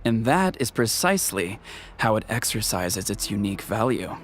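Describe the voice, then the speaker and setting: A man playing a wise, kindly older tribal chief in a video game, mentoring in a measured, formal, reassuring way. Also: fairly low pitch, sing-song, soft background music. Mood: solemn.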